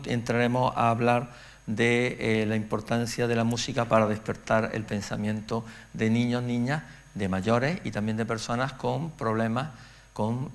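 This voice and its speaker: A middle-aged Andalusian man speaks as a guest lecturer. His delivery is measured and broken by frequent pauses, and his pitch stays level and even throughout. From Andalusia, Spain. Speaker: guest speaker on music education. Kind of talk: public lecture.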